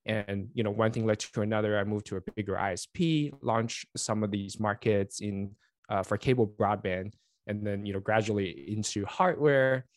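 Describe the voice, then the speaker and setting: Speaking at normal speed with a low-leaning voice and fairly even intonation, this guest is a network engineer and author in his forties. He was raised in Taiwan, is a native Chinese speaker, and talks over a remote call in a casual interview, friendly and rambling with frequent fillers and restarts. The sound is dry and of studio quality.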